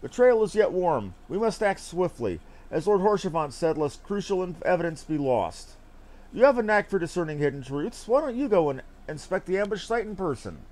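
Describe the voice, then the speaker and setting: A man's voice: sits high, sing-song, moderate pace, a little mellow. A man voicing an eloquent, courtly fantasy adventurer from game dialogue, in theatrical, formal archaic phrasing. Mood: urgent, courtly. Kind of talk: reading game dialogue aloud in character.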